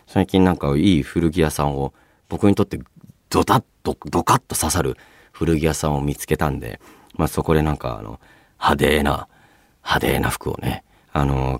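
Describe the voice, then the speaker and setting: A man hosting a casual solo radio show, chatting and reading out listener mail in a polite but chatty, animated way. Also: extremely low pitch, no room sound, clean studio sound. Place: radio studio, dry sound.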